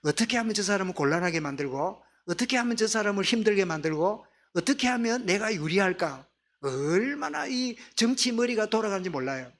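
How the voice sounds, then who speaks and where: A man's voice: high-pitched, fairly bright tone. A male pastor with a Gyeongsang accent preaching a sermon, often asking the congregation questions and answering them himself. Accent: Gyeongsang dialect.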